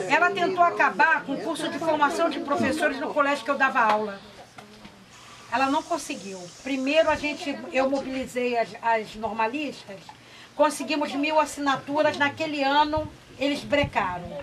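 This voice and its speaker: Her voice is high, with lively intonation. Noticeable background noise sits behind the woman. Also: moderate pace. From Rio de Janeiro state. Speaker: teacher and council member; teacher, council member. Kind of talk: council meeting debate. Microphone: camera far.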